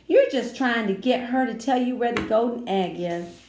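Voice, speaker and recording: A woman's voice: a little high, moderate pace, darkish tone, echoey room, slight background noise, voice pushed up, natural voice. A woman voicing a pushy, scheming little girl who talks in a bossy, emphatic way.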